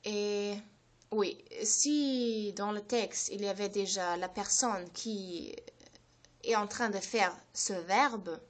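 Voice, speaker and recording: A woman's voice: medium pitch, takes it slowly. Hesitant German-native woman speaking French. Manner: hesitant, many fillers and restarts. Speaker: language-learning channel host. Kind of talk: unscripted explanation to camera.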